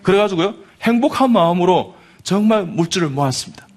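A man's voice: medium pitch, expressive, fast. Fervent middle-aged man preaching a testimony. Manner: emphatic, fervent, addresses listeners directly. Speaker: doctor giving a Christian testimony. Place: broadcast studio with audience.

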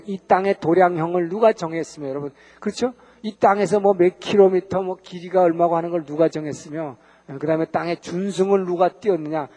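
A man's voice: fairly high pitch, a little mellow. Man teaching a Bible lecture in a hall. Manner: conversational, asks the class rhetorical questions.

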